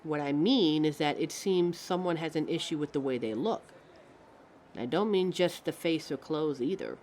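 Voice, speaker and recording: A woman's voice: deep voice, a little mellow, slight background noise. A woman voicing a pompous, theatrical living mannequin who lectures the listener as a fussy fashion expert in a scripted roleplay. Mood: gentle concern. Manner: pompous, affected, instructive, calls listener darling.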